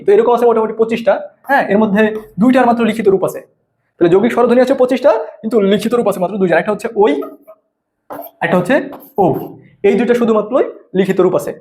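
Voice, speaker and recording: Rapid high-voiced man teaching grammar. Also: darkish tone. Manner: rapid, asks and answers his own questions. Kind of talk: grammar lesson lecture.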